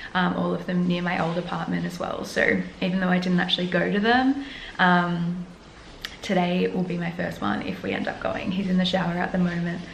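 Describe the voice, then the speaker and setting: A woman talks at a fairly quick pace. Light background noise and audible room echo can be heard. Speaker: vlogger. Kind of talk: casual vlog chat. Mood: relaxed, excited. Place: home room. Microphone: phone near.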